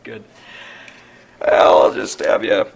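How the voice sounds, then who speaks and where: A man's voice: slow, background noise, natural voice. An actor playing a nervous male hospital official, hesitant and placating. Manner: hesitant, full of uhs. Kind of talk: video game cutscene acting.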